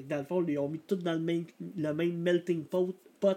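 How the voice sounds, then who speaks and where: Someone with a Quebec accent talks at a very slow pace in a dark, mellow tone with fairly even intonation, recorded very cleanly against a silent background. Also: man. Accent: Québécois French. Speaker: college teacher and tech video host. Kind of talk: casual weekly news vlog. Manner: hesitant, many fillers and repetitions.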